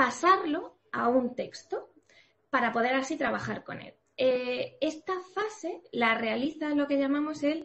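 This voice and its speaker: This woman has an Andalusian accent and a high pitch. She talks very slowly with lively intonation. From Andalusia, Spain. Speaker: conversational AI expert. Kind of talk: online talk.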